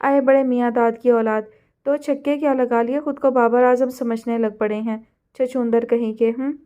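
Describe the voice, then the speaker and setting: A woman reading a sassy teenage girl who bickers in quick retorts, her voice high and mellow. It comes across as a storybook quarrel, spoken in the reader's own soft tone with a touch of cheek. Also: steady tone, highs cut off, close to an everyday voice. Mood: bickering.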